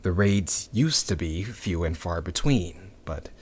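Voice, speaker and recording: A man acting as a sardonic, nervy underground rebel telling his story in an audio drama. He takes his time, and his pitch moves up and down freely. The delivery is casual, sweary and wry. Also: animated, slow, a little mellow, breathy edge, full character voice. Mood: matter-of-fact. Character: nervous, sardonic young underground rebel man recording testimony.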